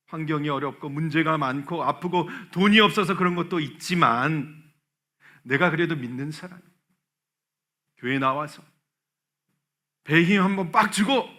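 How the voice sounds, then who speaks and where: A man pastor preaching a Sunday sermon in a church, swinging between hushed and loud, impassioned delivery. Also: on the high side. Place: church sanctuary.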